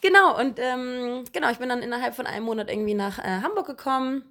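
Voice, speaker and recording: A young woman in her late twenties chats casually as a podcast co-host, sitting in an apartment living room. She rambles through her story with plenty of fillers and a giggly, relaxed manner. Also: fairly high pitch, fast. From Germany. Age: 20s. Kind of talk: casual chat.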